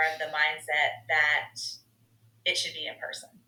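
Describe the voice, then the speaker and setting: A woman is speaking. She has a strong Southern US accent. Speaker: speech therapist. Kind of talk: podcast interview guest.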